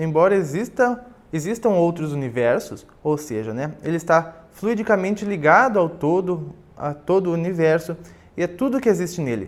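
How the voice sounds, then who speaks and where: His pitch is high for a man, and his intonation is lively. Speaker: spirituality channel host. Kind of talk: casual spiritual Q&A talk. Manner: fast.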